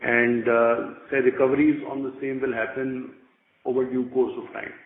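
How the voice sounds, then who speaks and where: A man's voice: mid-range voice, level tone. Indian man on roomy, tinny conference line. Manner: measured, deliberate, frequent "say" as filler. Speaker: company executive. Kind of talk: explanatory answers on an earnings call.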